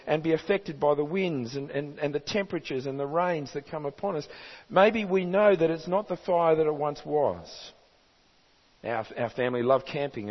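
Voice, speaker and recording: An Australian man preaching a sermon as pastor, earnest and emphatic, asking his listeners rhetorical questions. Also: a little high. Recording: reverberant hall, dull sound.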